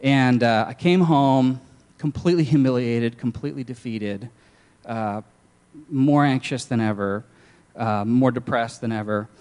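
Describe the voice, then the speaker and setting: A man's voice: medium pitch, unhurried, darkish tone, smooth. A young man casually sharing a personal testimony, candid, with plenty of fillers and restarts.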